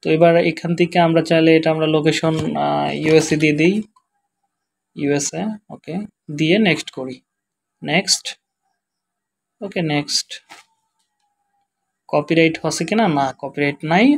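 A tired man with a Bangladeshi accent, speaking quietly and slowly as he walks through a screen-share tutorial. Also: fairly high pitch, steady tone, gravelly, slight background noise. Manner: quiet, slow, tired-sounding talk. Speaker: web developer teaching SEO.

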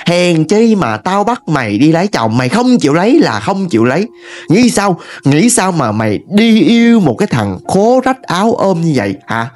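A man's voice: sits high, very animated, moderate pace, darkish tone, pitched above the performer's own voice. A man voicing a furious middle-aged village mother who berates her daughter harshly, with a Southern Vietnamese accent.

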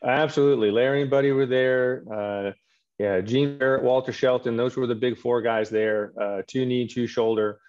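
A middle-aged man, a native French speaker, telling stories in a relaxed way with many fillers on a video call from a home office. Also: medium pitch, normal speed. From Quebec, Canada. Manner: storytelling, relaxed, with frequent fillers. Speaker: orthopedic surgeon guest. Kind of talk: casual video call interview. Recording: dull lo-fi call audio.

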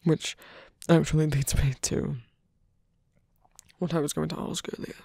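A man playing a tender, teasing villain in an intimate ASMR roleplay, breathy and hesitant, often dropping to a whisper. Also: fairly high pitch, level tone, dry recording, clean studio sound, heavily acted. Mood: tender, weary. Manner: hesitant, halting, soft-spoken. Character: male villain, tender, teasing, smitten with rescuer. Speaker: voice actor.

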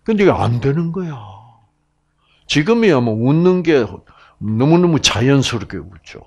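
A man giving a health lecture, telling a personal story in an animated way and acting out the sounds in it. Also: mid-range voice, moderate pace.

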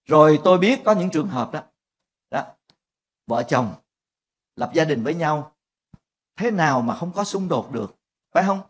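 An older man, a pastor, preaching a lively sermon and acting out family squabbles in voices. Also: a little high, moderate pace, long pauses.

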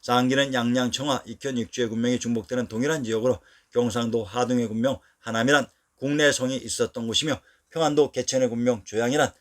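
Guy reading a history script, mid-pitch, even, lists lots of place names. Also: quick pace, few pauses. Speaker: narrator.

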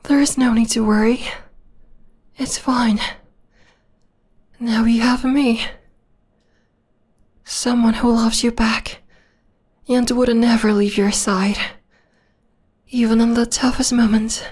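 A woman playing an obsessive, possessive young vampire girl in an ASMR roleplay, soft and breathy with a sweetly menacing, intimate manner. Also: on the high side, fairly even intonation, slow, long pauses. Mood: soothing, possessive. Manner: soft, breathy, intimate, often dropping into whispers.

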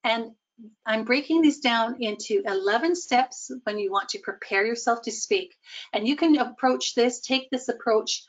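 A woman's voice: fairly high pitch, moderate pace. A woman giving a talk on public speaking to a group, engaging and often putting questions to her listeners. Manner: engaging, asks the audience questions. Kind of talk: presentation to a group.

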